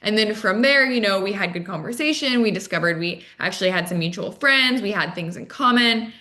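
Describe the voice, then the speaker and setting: Speaking a little fast in an expressive, pushed, bright voice of medium pitch, this dating coach chats as a podcast guest. She offers advice and stories in a relaxed way, playing out short quoted back-and-forths.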